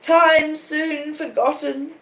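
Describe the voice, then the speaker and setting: Bitter, wailing old lady, shrill and echoey. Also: flat delivery. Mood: moaning reproach. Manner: moaning, shrieking, drawn-out repeated pleas. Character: bitter, wounded old lady, wildly melodramatic and possessive. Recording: echoey conservatory.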